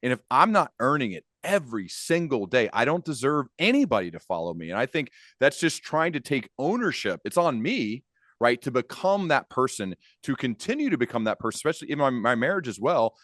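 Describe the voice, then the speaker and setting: Man, mid-pitched, dry close recording, earnest podcast host, conversational, repetitive emphasis. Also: very animated, brisk, a bit bright, no echo. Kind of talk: conversational interview.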